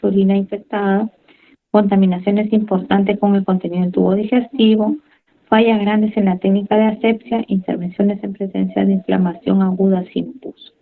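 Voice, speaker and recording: A woman's voice: medium pitch, narrow, tinny audio. A woman giving a medical lecture, reading from slides and then explaining in her own words with fillers and tag questions.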